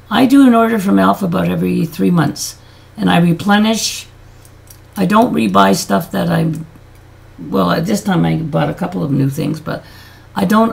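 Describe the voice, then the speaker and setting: On a casual beauty vlog, a woman with a deep, throaty, creaky and slightly mellow voice chats in a rambling, self-deprecating way. She mentions that her voice has changed and she can no longer hit high notes.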